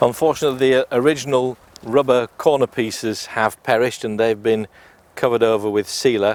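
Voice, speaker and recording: A man at medium pitch with an English accent, fairly quick pace and fairly even intonation, in a dry, close sound with no echo. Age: 60s. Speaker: classic car dealer. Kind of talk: product walkaround presentation. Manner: casual, with hesitations.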